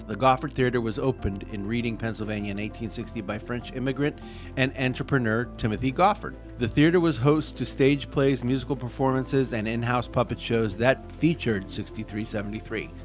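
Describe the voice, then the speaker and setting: Man casually reading a document on a podcast. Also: medium pitch. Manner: reads haltingly, stumbles over words, laughs often. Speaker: podcast host.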